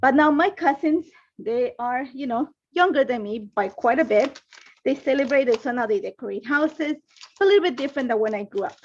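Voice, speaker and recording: Streaming from her craft room at home, this middle-aged woman from Ecuador rambles, chats and welcomes viewers by name. She speaks fairly quickly in a high, darkish voice with lively intonation. The sound is dull lo-fi livestream audio from a phone and laptop, with a little hiss or hum.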